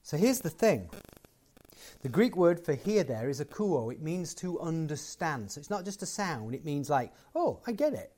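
A man's voice: on the high side, sing-song, normal speed, a little mellow. A man giving a closing sermon and prayer to a live gathering, conversational and building to emphatic points. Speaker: guest preacher.

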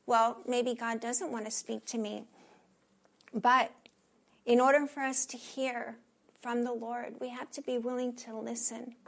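Female preacher, slow and measured delivery, earnest, drops to a hush for emphasis. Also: high-pitched. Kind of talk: sermon.

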